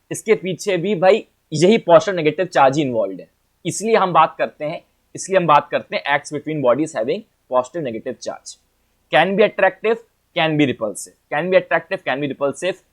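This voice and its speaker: A man's voice: a little high, normal speed. A man teaching physics in an exam-prep lecture. He talks to the viewer in a chatty, playful way, repeats his phrases, and keeps asking rhetorical questions.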